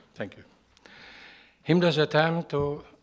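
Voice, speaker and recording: A man with a German accent. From Germany. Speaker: historical researcher and architect. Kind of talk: conference talk. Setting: conference hall with audience. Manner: halting.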